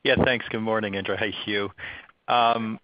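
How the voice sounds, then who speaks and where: A man's voice: lowish voice, little pitch movement, moderate pace, no echo. A man speaking as a financial analyst, politely putting questions on an earnings call. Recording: dull, dry phone line.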